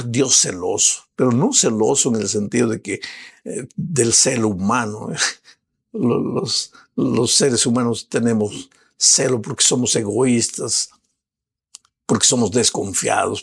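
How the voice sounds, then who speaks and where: A man, a pastor, giving a sermon with slow, emphatic preaching and rising appeals. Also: medium pitch, gravelly, husky.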